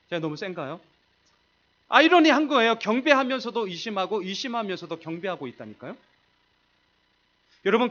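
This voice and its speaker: Male pastor, sermon delivery, fairly high and very animated pitch, emphatic with rhetorical questions, dull lo-fi church recording. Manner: emphatic, rhetorical questions, swings between loud and hushed. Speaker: senior pastor. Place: church sanctuary.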